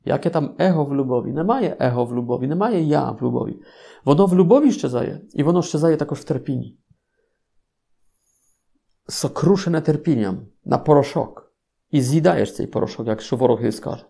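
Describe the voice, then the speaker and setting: A man's voice: a little high, expressive, normal speed, vocal fry, warm tone. A man with a Polish accent, a Capuchin friar giving an informal sermon with playful, ironic asides to his listeners.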